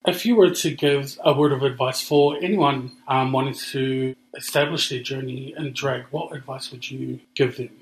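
A man hosting a podcast, reading his scripted introductions and info notes in a clear, measured way. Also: medium pitch, fairly even intonation, poor audio. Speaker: podcast host. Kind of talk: scripted host narration. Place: radio studio.

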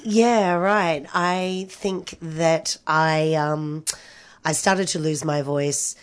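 A woman hosting a community radio show, hoarse and husky from losing her voice, chatting casually with fillers. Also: sits low, steady tone, very slow. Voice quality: husky, gravelly. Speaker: radio host.

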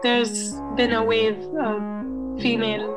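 A woman musician answering interview questions haltingly, with many fillers and restarts. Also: fairly high pitch, little pitch movement. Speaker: musician guest. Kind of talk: casual interview. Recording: music playing behind.

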